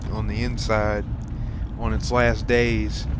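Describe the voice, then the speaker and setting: At a fairly slow pace, a man talks with a dry sound and no echo, and noticeable background noise. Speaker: travel vlogger. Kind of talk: casual vlog chat. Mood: a little wistful. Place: car. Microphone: phone near.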